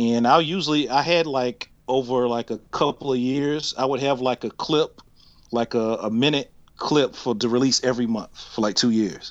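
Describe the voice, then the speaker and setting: A man speaks at a medium pitch with an American accent. He has an ordinary speaking voice and ordinary pitch variation. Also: moderate pace. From North Carolina. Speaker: documentary filmmaker. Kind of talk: interview.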